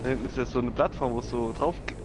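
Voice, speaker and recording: A man's voice: mid-range voice, racing. A man with a Swiss German accent chatting casually with a fellow player during an online game. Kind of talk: casual gaming chat. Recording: clear game vehicle noise behind.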